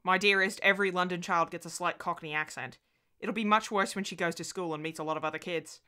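A woman's voice: lowish voice, steady tone, fast talker, sharp tone, clear, resonant tone. Woman reading as a breezy, teasing husband. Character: scoffing, good-humoured young husband, breezy and reassuring. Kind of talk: audiobook character voice.

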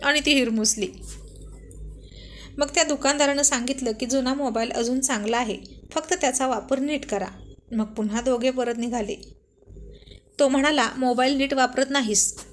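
A woman narrating a romantic story in a lively, conversational way. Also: high voice, moderate pace, long pauses, a little hiss or hum.

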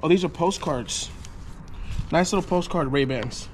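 A man in his thirties vlogging outdoors at a storage lot, joking and excited as he digs through bins. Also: fairly high pitch, unhurried, very noisy. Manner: excitable, joking, talks to camera. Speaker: storage unit buyer. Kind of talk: casual vlog while unboxing. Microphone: camera mic, handheld close.

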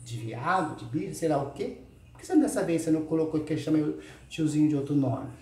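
A man hosting his channel, ranting in a sarcastic, lively way and tagging his sentences with questions. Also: a little high, fast talker, echoey room, recorded from a distance. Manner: animated, sarcastic, peppers sentences with "tá?". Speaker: YouTube channel host. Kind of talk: ranting reply video.

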